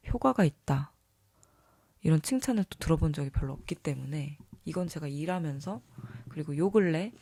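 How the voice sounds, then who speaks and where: A vlogger talking casually and reflectively about themselves, earnest and openly enthusiastic, with a creaky edge to the voice. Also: mid-range voice, warm tone, dry recording. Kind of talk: casual reflective self-talk to camera or mic.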